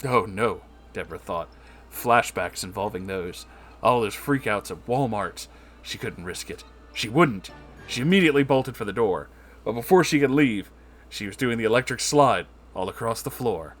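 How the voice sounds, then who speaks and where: A man's voice: fairly low pitch, lively intonation, normal speed, a little hiss or hum. A man narrating a comedic story as host, with an emphatic, dramatic storytelling delivery.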